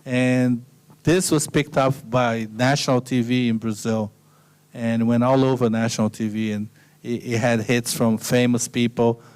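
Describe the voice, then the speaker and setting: Man giving a smooth, relaxed slide lecture. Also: medium pitch, unhurried. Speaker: guest lecturer.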